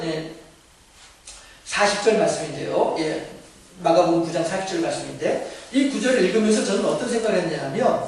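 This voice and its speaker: A man's voice: sits high, a little mellow. A male pastor preaching a conversational sermon, drawing the congregation in with questions and acted-out quotes. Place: church sanctuary. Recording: echoey church hall, mic far off.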